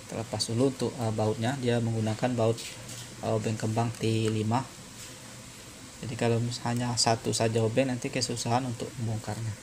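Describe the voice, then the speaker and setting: A man's voice: mid-range voice, flat delivery, a little fast. A man giving an informal hands-on repair tutorial, explaining step by step in a hesitant, repetitive way. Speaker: phone repair tutorial presenter. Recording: noisy home-made recording.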